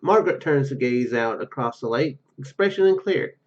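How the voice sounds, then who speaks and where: A man's voice: medium pitch, expressive, moderate pace, darkish tone. A man reading a game's narration aloud and adding casual commentary as a gaming video host, on a slightly lo-fi microphone.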